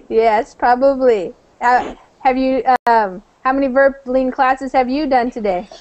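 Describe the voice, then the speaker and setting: A woman's voice: high voice, slow, darkish tone, lo-fi sound. A woman from the United States teaching an online English class over a video call, friendly and chatty with many fillers.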